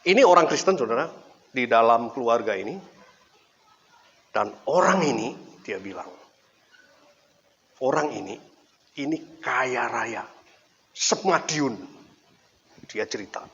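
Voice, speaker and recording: A man's voice: medium pitch, lively intonation, slow pace, vocal fry, pauses often, a bit bright. A man with an East Javanese accent, giving a casual, conversational sermon full of anecdotes and repeated words. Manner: chatty, anecdotal storytelling with repetition. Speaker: preacher. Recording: dull lo-fi recording.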